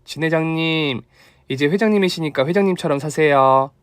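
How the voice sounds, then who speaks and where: A man voicing a generous, lively young daughter-in-law with a Gyeongsang dialect, earnest and teasing. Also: a little high, moderate pace, clear, resonant tone, no room sound, studio quality, lightly acted. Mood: eager.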